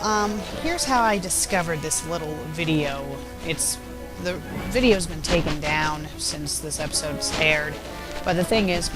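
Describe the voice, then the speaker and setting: A woman's voice: fairly low pitch, rough recording. A woman hosting a casual, off-the-cuff commentary on her own web show, chatty and openly opinionated. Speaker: web show host and critic.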